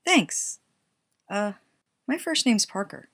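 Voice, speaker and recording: A woman's voice: mid-range voice, sing-song, slow pace, a bit bright, full character voice. A woman playing a pedantic, earnest, anxious college student in an audio comedy, with a precise, wordy way of talking. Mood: sincere, pleased. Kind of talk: audio drama romantic comedy dialogue.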